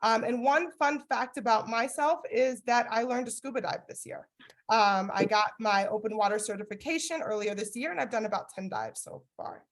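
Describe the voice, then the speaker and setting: A woman facilitating a training session over a video call, calling on participants quickly to keep the session moving. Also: a little high. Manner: brisk, keeps things moving. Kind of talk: casual group facilitation.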